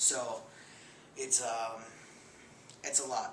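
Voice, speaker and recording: A man's medium-pitched voice is heard. Audible room echo and noticeable background noise come along with it. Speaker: vlogger. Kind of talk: casual vlog update. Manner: casual, filler-heavy.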